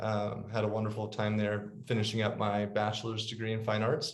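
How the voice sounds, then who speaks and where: Fairly slow speech from a man, with audible room echo. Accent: American. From Northern California (Davis). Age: 20s. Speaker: artist. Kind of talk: artist talk presentation.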